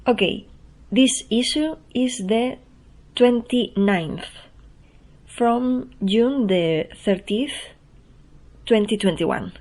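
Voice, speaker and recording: A woman's voice: medium pitch, low-quality recording. A woman with a Spanish accent, who speaks English as a second language, hosts her own podcast in a chatty, self-deprecating way. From Spain. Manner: chatty and self-deprecating, soft-spoken, laughs at herself. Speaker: newsletter writer and podcast host. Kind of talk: casual spoken podcast intro, reading her newsletter.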